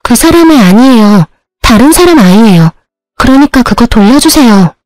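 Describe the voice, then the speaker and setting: A meek young mistress, put on by a woman narrator, answers in a small, evasive, pleading voice. She sits a little higher than the narrator's own voice. The sound is dry and close, with soft music under it. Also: animated, moderate pace, no room sound, close to an everyday voice. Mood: defensive. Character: tearful young woman caught in an affair.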